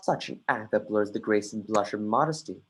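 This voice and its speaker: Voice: medium pitch, a little fast, a little hiss or hum, natural voice. An actor playing Hamlet, an anguished young prince, declaiming Shakespearean verse in an accusing, scornful way, swinging from muttering to outbursts and sometimes stumbling on lines. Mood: bitter, reproachful. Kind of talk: dramatic reading of Shakespearean verse. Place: remote livestream from home.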